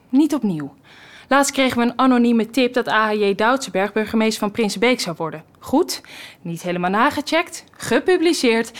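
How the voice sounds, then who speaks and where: An actress playing an excitable, scatterbrained editor-in-chief of a small local paper who rambles dramatically in a radio comedy. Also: female voice, a little high. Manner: rambling, dramatic, talks herself off track.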